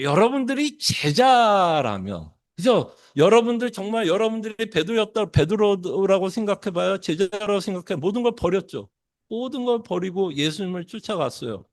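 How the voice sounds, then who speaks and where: A male pastor preaching a sermon, putting many questions to the congregation and acting out the disciples' lines. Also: high voice.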